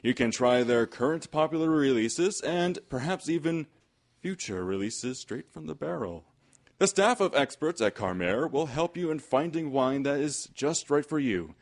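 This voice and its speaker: A man's voice: a little high, darkish tone. A man announcing in old-time radio style, with folksy scripted banter and sponsor salesmanship.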